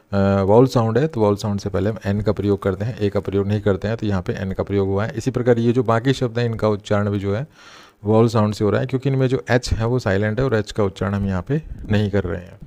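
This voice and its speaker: A man teaching English grammar in a patient, repetitive way, slowing down to spell out sounds. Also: fairly low pitch, warm tone, no room sound. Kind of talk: classroom grammar lesson.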